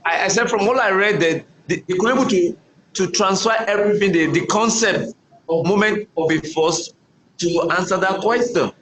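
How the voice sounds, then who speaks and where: A man's voice: high voice, normal speed, a bit bright, echoey room, a little hiss or hum, poor audio. Man on glitchy breaking-up call audio. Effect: glitchy video call audio that breaks up. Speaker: course participant. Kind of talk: online class discussion. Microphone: video call.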